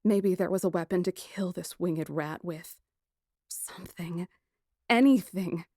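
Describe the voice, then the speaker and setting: Lowish-voiced woman narrating fiction. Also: measured pace, a little mellow, no echo, clean studio sound. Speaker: audiobook narrator. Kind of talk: dramatic first-person fiction narration.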